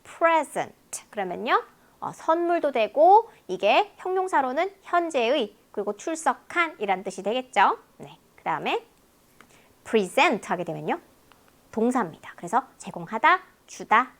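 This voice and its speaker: Lively, high-voiced woman teacher. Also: moderate pace. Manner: explains word pairs in a lively, talkative way. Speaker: English teacher. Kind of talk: lecture on English listening.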